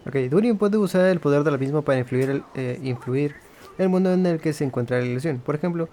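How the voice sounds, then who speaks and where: A man's voice: fairly high pitch, rapid-fire, dark tone, slight background noise. A man, casually commenting while playing a game and musing aloud. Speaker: gameplay streamer.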